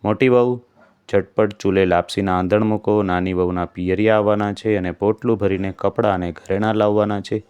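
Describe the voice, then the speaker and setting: A man's voice: lowish voice, level tone, fairly quick, few pauses, a little mellow, smooth, dull audio, close to an everyday voice. A man voicing a harsh older mother-in-law in a devotional story, speaking in a commanding, scornful way.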